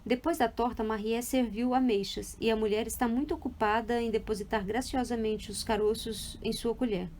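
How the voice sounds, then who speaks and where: A woman narrating a literary audiobook in a calm, measured reading voice. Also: on the high side, slight background noise. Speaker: audiobook reader.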